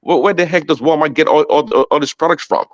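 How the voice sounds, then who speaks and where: A man's voice: a little high, a little fast, highs cut off, crowd noise. A man arguing emphatically in a heated group discussion, stumbling over and repeating words as he presses his point. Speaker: panelist.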